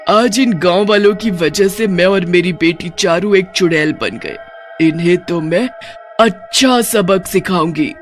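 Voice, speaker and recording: A vengeful bald witch from a spooky cartoon, threatening and snarling, voiced by a woman. Her voice sits a little lower than the narrator's plain voice. Faint music plays underneath. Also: a little slow, lightly acted.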